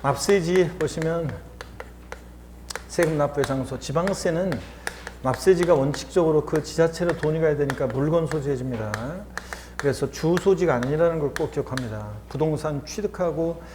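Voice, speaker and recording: A man's voice: fairly high pitch, normal speed, background noise. A man teaching a lecture course in a chatty, encouraging way. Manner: chatty and encouraging, often starts with "자". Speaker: instructor.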